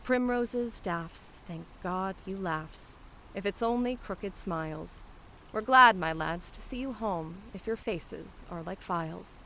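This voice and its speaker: A poor London flower girl with a broad Cockney accent. Her voice is bright and forceful, full of sharp-tongued street cries and a big heart. She takes her time, over faint rainy background noise. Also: mid-range voice, slow. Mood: hearty, generous. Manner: street-hawker cries, scolding and dropping h's. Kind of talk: dramatic poetry performance.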